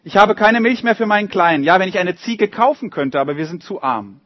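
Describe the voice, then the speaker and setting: A man's voice: sits high, animated, a little fast, lo-fi sound. A man voicing a poor young mother in a told story, speaking in a sighing, plaintive way.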